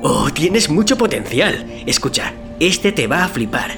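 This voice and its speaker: A man's voice: a little high, very animated, measured pace, creaky, heavily acted. A young man with a Castilian Spanish accent playing a cocky, theatrical vigilante who travels through shadows, playful and teasing, in an audio drama. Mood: coaxing. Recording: music behind the voice.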